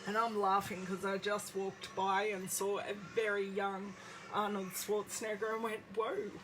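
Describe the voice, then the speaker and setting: An Australian woman with a slight croak in her voice, chatting casually with viewers during a live craft demonstration at home. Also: mid-range voice, little pitch movement, measured pace, background noise. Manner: chatty, greets viewers by name. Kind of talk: casual live-stream craft demo chat. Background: movie playing in background.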